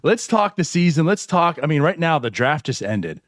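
A man's voice: fairly high pitch, sing-song, normal speed, dry recording, clean studio sound. A man in his late thirties hosting a casual sports podcast, rambling through points with lots of "like" and restarts. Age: late 30s. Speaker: podcast host.

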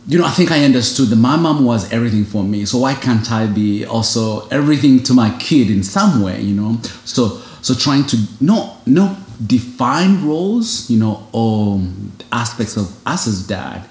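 A man's voice: mid-range voice, a little mellow, roomy sound. A man from Uganda, a single foster father, talking earnestly and reflectively as an interview guest, with many "you know" fillers. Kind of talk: casual interview conversation.

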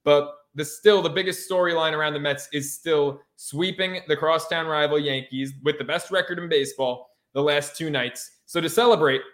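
A man's voice: on the high side, normal speed, hardly any pauses, fairly bright tone. A man co-hosting a sports podcast in a casual, brash, slangy style with some swearing.

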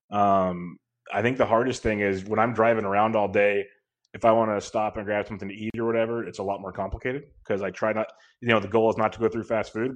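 A man in his thirties hosting a podcast, loud and carrying, talking earnestly and rambling with many restarts. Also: lowish voice. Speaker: podcast host. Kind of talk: casual podcast chat.

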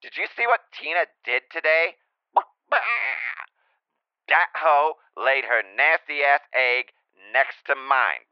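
A man's voice: on the high side, slow, clear, resonant tone, dry recording, voice pushed up. A man voicing a sassy, foul-mouthed gossiping hen in an indignant comedy bit, on a dull lo-fi clip. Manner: trash-talking, indignant gossip.

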